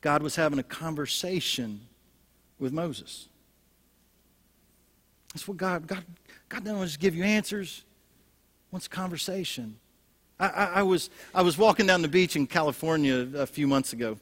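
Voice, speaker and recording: A male pastor preaching a sermon, telling stories with lively energy and frequent restarts. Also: fairly high pitch, measured pace, long pauses. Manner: storytelling, animated, frequent restarts. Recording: echoey hall.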